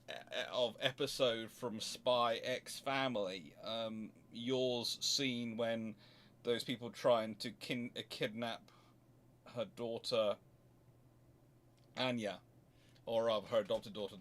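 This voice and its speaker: A man with a bright, forward voice hosts a casual livestream. He rambles through digressions, often cutting himself off and restarting, with a dry, sarcastic edge at a middling pitch. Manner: halting, digressive, self-interrupting. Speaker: livestream host answering chat.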